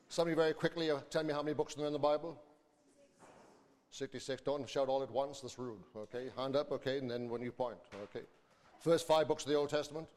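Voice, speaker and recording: A man's voice: mid-range voice, darkish tone. A man preaching to a congregation, speaking informally and reading from scripture. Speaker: preacher and school teacher. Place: large reverberant church or hall. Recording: echoey hall with long reverb.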